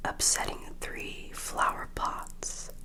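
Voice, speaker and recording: Someone whispers at a very slow pace. Noticeable background noise runs beneath the voice. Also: woman. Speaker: ASMR creator. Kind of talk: whispered story reading for sleep. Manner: whispered, soft.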